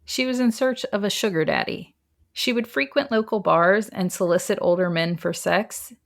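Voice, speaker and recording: A woman's voice: mid-range voice, moderate pace, gravelly. A woman hosts a casual true crime podcast and walks through the case step by step. Her telling is chatty and wry, often broken by a laugh. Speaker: podcast host.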